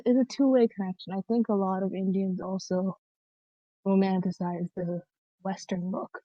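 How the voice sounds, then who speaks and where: Animated woman giving her take on a podcast, muffled lo-fi, dead dry room. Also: medium pitch, no room sound. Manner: animated, opinionated, fond of quoting others. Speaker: podcast co-host. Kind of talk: casual podcast discussion.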